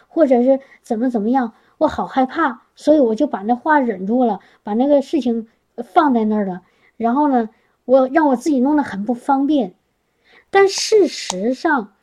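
A woman's voice: high voice, dark tone. A woman speaking to a congregation, sharing a personal testimony in an earnest, chatty way with frequent restarts. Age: adult working professional.

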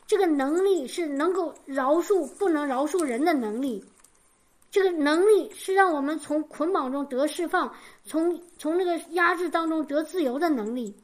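A woman's voice: high voice, darkish tone. A woman preaching a sermon and giving her personal testimony, fervent, repeating key phrases for emphasis, often stammering and restarting.

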